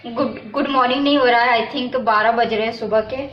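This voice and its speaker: A young woman chats through a casual cooking vlog in her kitchen, unwell and worn out, her voice fairly high and held flat. The home recording sounds dull and lo-fi, with faint ambience behind her. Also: normal speed, a little hiss or hum. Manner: talks to viewers while doing chores, then vents against trolls. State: unwell and weak, neck pain. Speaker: village vlogger.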